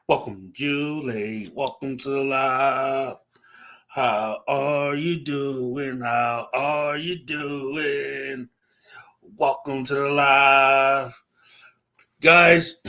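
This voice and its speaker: A young man with a medium-pitched voice, stuffy and congested from a cold, hosts a laid-back livestream chat through what sounds like a computer or phone mic. He rambles in a relaxed way, looping back on himself with frequent ums and restarts.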